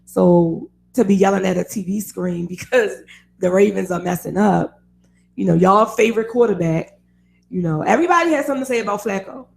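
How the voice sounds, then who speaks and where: A woman with a raspy voice hosting a casual sports talk radio show, chatty and opinionated, laughing often. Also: medium pitch, fairly quick, darkish tone, poor audio.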